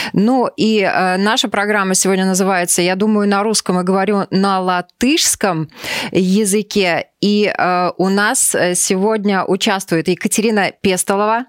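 A woman's voice: medium pitch, dry recording. A woman hosting a studio podcast, friendly, with many filler sounds and a shifting pace. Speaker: podcast host. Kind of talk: hosting a studio talk show.

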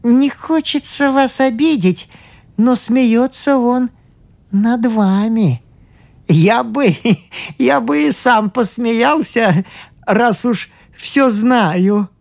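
A woman voicing a meek, excitable male priest who bursts into high, drawn-out exclamations. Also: no room sound. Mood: apologetic.

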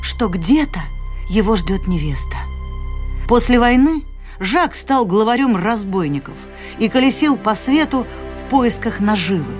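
An actress narrating a fairy tale for radio in an expressive, measured storytelling voice. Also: female voice, lowish voice. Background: music.

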